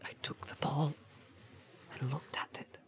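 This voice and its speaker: A man voicing a frightened, haunted young hobbit in a storybook, breathy and hesitant, stammering as he speaks. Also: fairly even intonation, moderate pace, sharp tone. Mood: shaken, remorseful. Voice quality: breathy, shrill at peaks.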